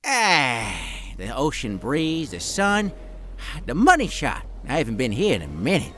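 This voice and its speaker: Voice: mid-range voice, huge pitch swings, measured pace, a bit bright, no echo, exaggerated voice. A performer acting a cocky, wisecracking, streetwise male demon in a fan audio drama, with a theatrical, slangy manner. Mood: cocky, breezy.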